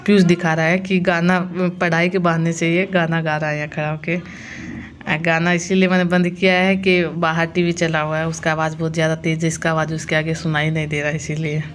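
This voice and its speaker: This family vlogger, a mother from India in her thirties, narrates her household's routine in a low, level voice at a slightly fast pace. Chatty and casual, she explains each clip step by step, and there's slight background noise.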